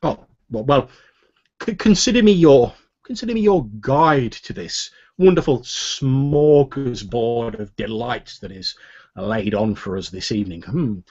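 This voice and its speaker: A man's voice: mid-range voice, lively intonation, unhurried, darkish tone, breathy edge. A man voicing a decadent masked male noble who is genteel, fawning and politely insinuating, on a dull lo-fi recording. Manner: fawning, overly polite, hesitant.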